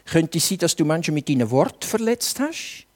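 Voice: mid-range voice, big pitch swings, fairly quick, a little mellow. A preacher with a Swiss German accent, delivering a sermon with earnest rhetorical questions addressed straight to the listeners.

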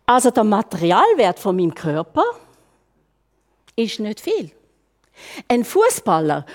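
Older Swiss woman preaching, lively. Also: on the high side. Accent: Swiss German. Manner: lively, conversational, with rhetorical questions. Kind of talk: sermon.

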